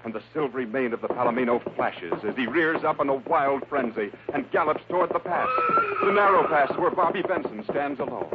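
A man narrating an old radio adventure serial in a suspenseful, theatrical style. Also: mid-range voice. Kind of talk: dramatic scripted narration, 1950s radio adventure. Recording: noisy, tinny old radio recording.

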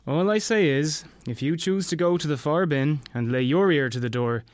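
A man plays a country-house butler in a gothic audio drama, slightly high in voice and recorded close and dry. He is superstitious and teasing, with homely, old-fashioned servant's turns of phrase. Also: normal speed, darkish tone, dry recording, close to an everyday voice. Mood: earnest, conspiratorial.

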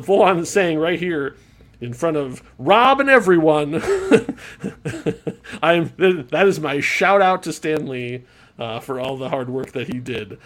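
A man's voice: on the high side, a bit bright. A man co-hosting a podcast, talking casually and rambling with lots of restarts and fillers. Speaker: podcast co-host. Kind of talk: casual chat. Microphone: own remote podcast mic.

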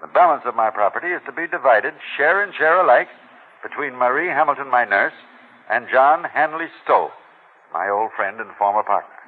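A man's voice: medium pitch, animated, normal speed, slightly rough. An actor playing a stubborn, insistent elderly wealthy man, blunt and commanding, heard as an old radio broadcast recording. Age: older. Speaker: wealthy client. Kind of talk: 1940s radio acting. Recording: thin, narrow-band old radio recording.

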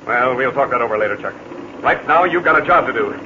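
Actor as brisk American pilot captain, vintage radio. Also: male voice, medium pitch, animated, close to an everyday voice. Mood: grave, encouraging. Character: steady, commanding adult male pilot captain. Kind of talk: 1940s radio drama acting. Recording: muffled, noisy vintage radio recording.

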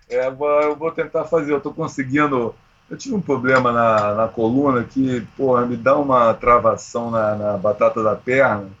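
A man of around sixty with a husky voice, chatting informally and slangily as he tells stories. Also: medium pitch, fairly even intonation, normal speed, a bit bright, dull audio. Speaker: amateur triathlete, interview guest. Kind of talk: casual chat, storytelling.

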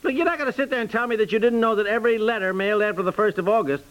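An actor playing a flustered, exasperated suburban husband who sputters and repeats himself, in 1950s radio comedy style. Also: male voice, high voice, racing, fairly bright tone. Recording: vintage 1950s radio recording.

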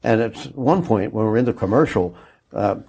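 A low, husky older man tells his story in stops and restarts. His mellow tone carries a quiet emotion as he thinks back. He talks reflectively in an interview. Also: lively intonation, fairly quick. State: moved, choking up. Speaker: interviewee recalling a broadcast.

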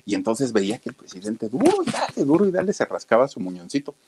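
A man's voice: medium pitch, huge pitch swings, fast, darkish tone, a little hiss or hum. A man with a Mexican accent telling a story to viewers in a chatty, folksy way, talking straight to his listeners. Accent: Mexican Spanish.

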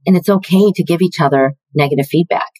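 A middle-aged woman with a deeper voice, answering interview questions in a confident, measured, emphatic way. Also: darkish tone, breathy edge, no echo, rough recording. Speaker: guest, learning and development executive.

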